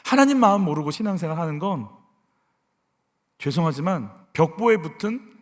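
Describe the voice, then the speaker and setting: A middle-aged man preaching a sermon as senior pastor, acting out voices and sighs and moving between loud and hushed delivery. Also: fairly high pitch, expressive, moderate pace, in a large hall. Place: church sanctuary.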